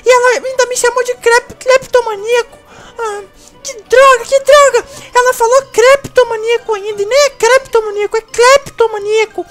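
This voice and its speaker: Squeaky, whiny cartoon mouse. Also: fairly even intonation, normal speed, a bit bright. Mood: upset, whiny. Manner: whiny, exasperated, slangy. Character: whiny, cheeky, thieving male cartoon mouse. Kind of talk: improvised Minecraft role-play.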